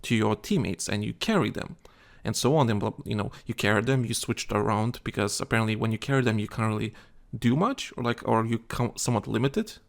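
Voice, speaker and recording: Tired, gravelly man rambling about games. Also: fairly low pitch. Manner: rambling, halting, many restarts and fillers. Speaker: podcast co-host. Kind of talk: casual gaming chat.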